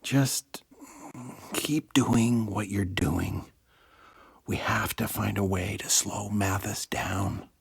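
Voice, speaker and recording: An actor playing an earnest, anxious captive prison warden in a video game, speaking with urgency. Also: male voice, on the low side, steady tone, slow, creaky, husky, dry recording, full character voice. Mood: hushed conspiring. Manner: hushed, urgent. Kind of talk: video game cutscene acting.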